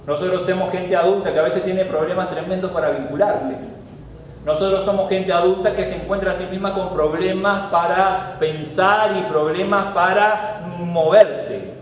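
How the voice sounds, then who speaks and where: A man with a Uruguayan accent preaching a sermon as pastor, emphatic, swinging between loud pleas and soft low asides. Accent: Uruguayan Spanish. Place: church hall. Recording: echoey hall with faint noise.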